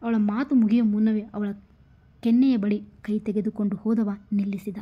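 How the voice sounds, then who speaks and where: A woman's voice: mid-range voice, flat delivery, moderate pace, highs cut off. A woman with a Kannada accent narrating a serialized story, reading all the parts herself. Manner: reads every part herself, quotes louder than the narration. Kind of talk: scripted story narration with dialogue.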